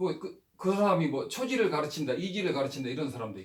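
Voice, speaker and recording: Pitched high, a man swings very widely in pitch. His pace is moderate. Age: 50s. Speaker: Buddhist monk. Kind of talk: dharma talk. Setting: his room at night.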